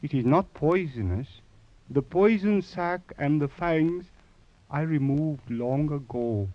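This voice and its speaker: South Asian snake charmer, unruffled, formal, slightly high voice, slow, dull vintage radio drama sound. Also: male voice, lively intonation, dry recording. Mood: calm, innocent. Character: calm, gentle-mannered, sly South Asian flute-playing snake charmer. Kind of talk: old-time radio drama acting.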